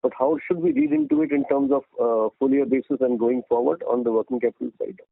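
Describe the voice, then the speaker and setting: A man's voice: medium pitch, sing-song, quick pace, vocal fry, no echo. A man asking formal, polite questions as an analyst on an earnings call. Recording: dry, narrow phone line.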